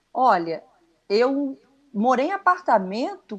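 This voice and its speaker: A woman speaks at a fairly slow pace against a quiet background. Her pitch swings very widely. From Belo Horizonte, Minas Gerais, Brazil. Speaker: samba singer and songwriter; remote guest. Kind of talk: casual talk show interview. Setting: remote video link. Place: home room. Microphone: video call.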